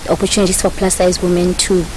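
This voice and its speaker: A woman speaks as a pageant contestant, poised and articulate. Clear outdoor noise runs beneath her. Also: lowish voice, level tone, quick pace. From South Africa.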